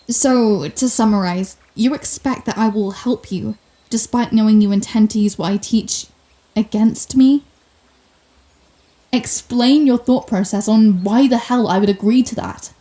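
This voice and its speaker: Woman playing a mellow, sardonic female supervillain. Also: on the high side, slow, pauses often. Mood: incredulous, sardonic. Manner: theatrical, wry, flustered denials, grand pronouncements. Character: telepathic female villain, proud, sardonic, secretly soft-hearted. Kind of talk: intimate ASMR audio roleplay.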